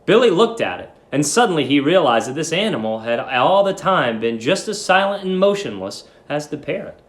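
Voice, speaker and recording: A man's voice: a little high, very animated, normal speed. A man speaking as a teacher, reading a story aloud and explaining it informally.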